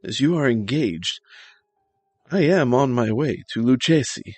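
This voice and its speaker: A man playing a scheming nobleman in a gothic story, flattering and politely feigning reluctance. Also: medium pitch, measured pace, breathy edge, dry recording, soft background music, voice pushed up. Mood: slyly reluctant. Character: scheming nobleman, falsely courteous, flattering, slyly goading his friend. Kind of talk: dramatic gothic story reading.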